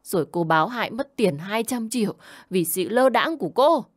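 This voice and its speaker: A woman voicing a furious older mother-in-law who wails and shouts as she scolds. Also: medium pitch, lively intonation, normal speed, no echo, studio quality, pitched above the performer's own voice, natural voice. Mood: raging.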